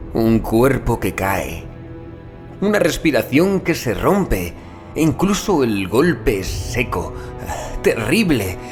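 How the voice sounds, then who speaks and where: A man reading a first-person horror story as an audiobook narrator, in a grave, theatrical delivery. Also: fairly low pitch.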